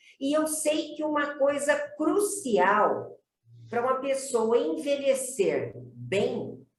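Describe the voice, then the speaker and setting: A woman's high-pitched voice with lively intonation, a very slow pace and audible room echo. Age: 70s. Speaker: panelist. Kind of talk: panel discussion.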